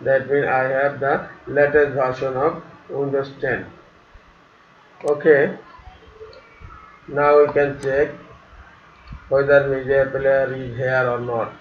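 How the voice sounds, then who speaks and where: Slow-talking man, roomy distant recording. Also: medium pitch, little pitch movement. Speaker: tutorial host. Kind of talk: step-by-step software tutorial narration. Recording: roomy, distant, dull mic with faint hiss.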